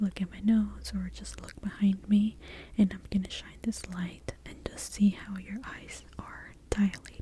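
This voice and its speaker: A soft-spoken woman whispers at a fairly slow pace, her loudness swinging widely over noticeable background noise. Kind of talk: ASMR role-play as an optician's assistant. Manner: soft-spoken, whispering.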